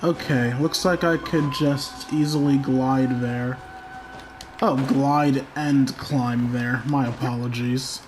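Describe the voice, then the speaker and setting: A man's voice: mid-range voice, fairly even intonation, takes it slowly, noisy background. A young man talking through his gameplay, chatty and self-mocking, swearing when frustrated. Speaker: gamer. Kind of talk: let's-play commentary.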